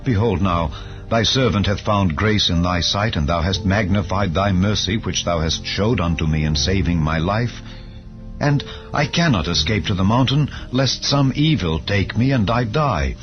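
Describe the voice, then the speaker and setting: A man's voice: deep voice, animated, normal speed. A man voicing a humble man who pleads earnestly and solemnly in a scripture audiobook. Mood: pleading. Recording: dull lo-fi audio over music.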